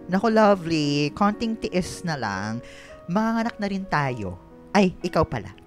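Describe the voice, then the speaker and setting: An actor in a radio drama playing an excitable, effeminate gay Filipino expectant father, campy and melodramatic, mixing in English and girly slang. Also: mid-range voice, measured pace, faint music behind. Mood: doting, playful.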